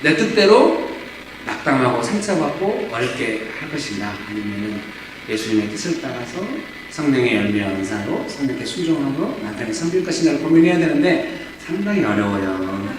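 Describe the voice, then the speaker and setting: A man's voice: medium pitch, big pitch swings, normal speed. A middle-aged man preaching a sermon as pastor, talking conversationally and acting out quoted dialogue with humor. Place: church sanctuary. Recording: echoey church hall from a distant mic, faint room noise.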